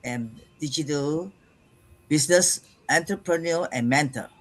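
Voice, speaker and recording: A woman's voice: sits low, measured pace. A woman from Brunei who is a grandmother, introducing herself carefully on an online panel. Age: older.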